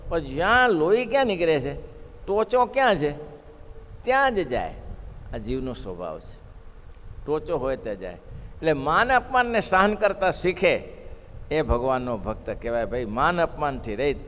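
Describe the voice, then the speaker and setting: A man's voice: a little high, big pitch swings, moderate pace, long pauses, fairly bright tone, a little hiss or hum. A man with a Gujarati accent giving a storytelling sermon, acting out the people in his tales. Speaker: religious speaker at a gurukul. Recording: long reverb of a hall.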